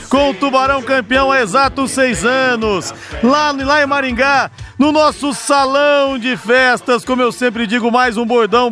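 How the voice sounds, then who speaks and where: A radio host with a very high, bright, forceful voice speaks emphatically and with exclamations. Faint music plays under him. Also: male voice. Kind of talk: nostalgic radio chat.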